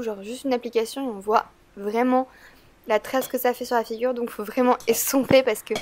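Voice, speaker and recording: Stuffy-nosed from a cold, a woman who makes beauty videos walks viewers through a makeup tutorial. Her voice sits a little high and sounds a little mellow, and she chats hesitantly, often saying "euh."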